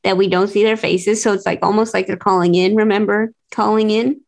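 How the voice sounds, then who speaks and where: A woman with a mid-range voice hosts a podcast in casual, chatty conversation. She tells everyday stories in an animated, talkative way. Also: medium pitch, brisk, vocal fry. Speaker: podcast host. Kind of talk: casual chat.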